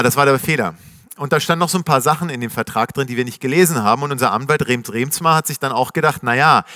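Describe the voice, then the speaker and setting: A middle-aged man telling his founder story to a live audience in a casual, slangy, animated way, acting out the voices of the people he quotes. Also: fairly high pitch, no echo, studio quality. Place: stage before a live audience.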